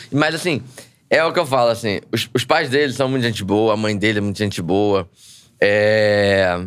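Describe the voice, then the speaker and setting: Through a very clean recording with a silent background, a man with a normal speaking voice talks at a moderate pace in a fairly low pitch and with lively intonation. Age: 30s. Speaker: retired footballer. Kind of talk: casual chat.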